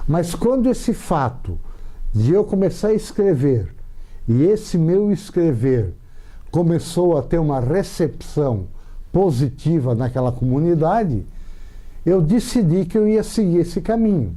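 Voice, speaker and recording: Delivered at a fairly slow pace with long, frequent pauses, the dark, mellow voice moves through very wide pitch swings. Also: man, high pitch for a man, very even loudness. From Santa Catarina, southern Brazil. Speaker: writer and literature professor. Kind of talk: life-story testimony interview.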